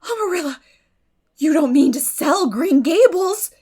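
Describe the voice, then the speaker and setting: An earnest, tender teenage girl, acted by a woman reading a classic novel, pitched up high. She speaks with emotional, pleading emphasis and a resolute streak, in dramatic audiobook style. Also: animated, a little slow, dark tone. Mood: shocked.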